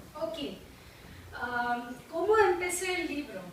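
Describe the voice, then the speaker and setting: The speech comes at a very slow pace with lively intonation, amid audible room echo and noticeable background noise. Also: woman. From India. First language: English or Indian language (speaking Spanish). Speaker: author. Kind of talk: presentation. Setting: library event with audience. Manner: halting.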